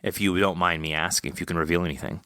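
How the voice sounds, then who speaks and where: A man's voice: low voice, steady tone, quick pace, sharp tone, no echo, studio quality. A man hosting a casual interview, informal, enthusiastic and encouraging with his guest. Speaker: podcast host interviewing an author.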